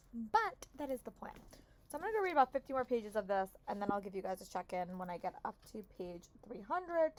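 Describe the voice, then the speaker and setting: Hoarse chatty woman with gravelly voice. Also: a little high. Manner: chatty, upbeat, addresses viewers as friends. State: hoarse, voice shot. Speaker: book vlogger. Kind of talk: casual reading vlog chat.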